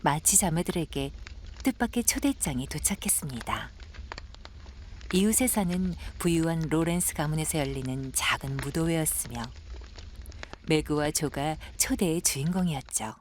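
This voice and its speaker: A woman narrating an audio drama like a storyteller, gentle and measured, with breathy sentence endings. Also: low voice, animated, a little hiss or hum. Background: music.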